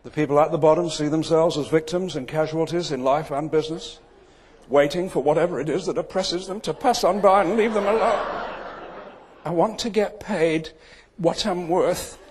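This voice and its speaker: A slightly high-voiced man with a Manchester accent addresses a room as a comic keynote speaker. His humour is dry and self-deprecating, and he sets up each joke plainly. A faint noise sits under the recording. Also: moderate pace. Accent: Manchester English. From England. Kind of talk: comic keynote speech to a live audience. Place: event venue before a live audience.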